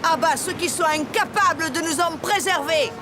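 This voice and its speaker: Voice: extremely high pitch, moderate pace, over music, crowd noise. An actor voicing a prim, indignant cartoon citizen with a declamatory manner. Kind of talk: animated series acting.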